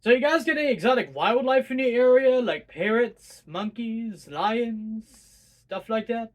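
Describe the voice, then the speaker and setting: A man's voice: very high voice, animated, unhurried, no echo. A man interviewing a guest, asking brief and direct questions in a friendly, casual way.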